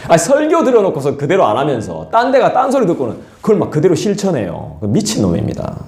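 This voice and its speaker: A male pastor, preaching an expository sermon in a lively, colloquial way and talking straight to the congregation. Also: on the high side, fast. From South Korea. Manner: lively, colloquial, acts out scolding voices and asides to the congregation. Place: church sanctuary. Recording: echoey church hall.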